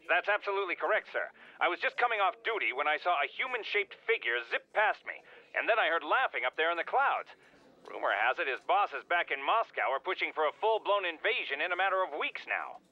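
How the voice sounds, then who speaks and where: An excited eyewitness on a dull radio broadcast. His voice is high and very animated in pitch. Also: a little fast. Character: excited male eyewitness reporting rumors.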